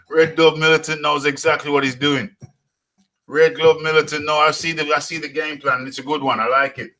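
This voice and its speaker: A man's voice: on the high side, level tone, normal speed, sharp tone. A man hosting a live boxing talk stream, repeating phrases, joking and hyping his viewers. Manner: repeats phrases, hypes viewers, jokes around. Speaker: boxing talk show host.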